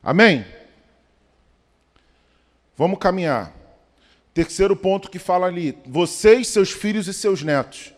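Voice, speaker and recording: A man pastor delivering a sermon, emphatic and rhythmic, with sudden swells and soft low drops. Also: animated, measured pace, pauses often. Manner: emphatic preaching with rising calls and quiet drops. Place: church sanctuary. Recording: long church reverb.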